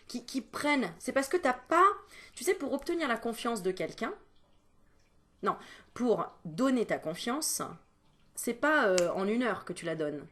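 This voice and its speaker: A woman energy healer chatting through spiritual advice at home, digressing often and adding joking asides. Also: on the high side. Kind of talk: casual spiritual advice vlog.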